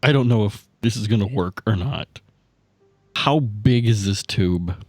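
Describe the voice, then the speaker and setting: A man's voice: fairly low pitch, unhurried, dry recording. A man chatting casually as a player in a tabletop roleplaying game, thinking aloud and repeating himself.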